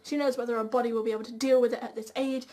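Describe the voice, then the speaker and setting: A woman's voice: fairly high pitch, flat delivery, very fast, mellow, slight background noise. A young woman giving her opinions in an informal, chatty way as a vlog co-host. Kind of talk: casual, chatty discussion.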